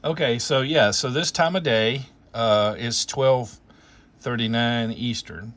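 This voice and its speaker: A man's voice: mid-range voice, slow pace, a bit bright. A man hosting as an amateur radio operator, casually talking through technical details in a rambling, explanatory way, thinking aloud as he goes.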